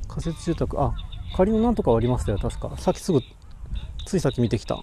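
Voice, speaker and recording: Fast-talking and very animated, a man with a medium-pitched, mellow voice livestreams his cycling outdoors, chatting casually with viewers. He mumbles mic checks and fixes his audio through a voice recorder mic amid slight background noise.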